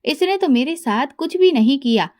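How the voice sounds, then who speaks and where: A woman's voice: high-pitched, animated, moderate pace, darkish tone. A woman voicing a frightened young sister-in-law in a story, pleading and insistent.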